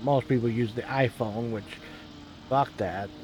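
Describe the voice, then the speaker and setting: A man mumbles quietly at a moderate pace and a medium pitch. Noticeable background noise sits behind him. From New York, US (Irish-American). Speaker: gaming streamer. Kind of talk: casual gameplay commentary. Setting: home recording at night. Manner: mumbling, quiet. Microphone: quiet microphone.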